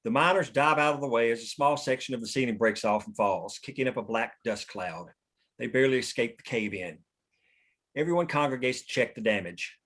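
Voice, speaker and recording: A man's voice: mid-range voice, brisk, a bit bright. Man reading screenplay stage directions. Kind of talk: scripted narration at a table read.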